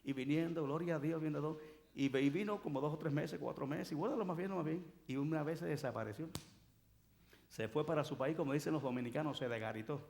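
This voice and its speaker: This pastor's voice sits on the high side, coming out fast with vocal fry, and there's a little hiss or hum on the recording. Preaching in a church sanctuary, he tells lively stories and voices the characters in them.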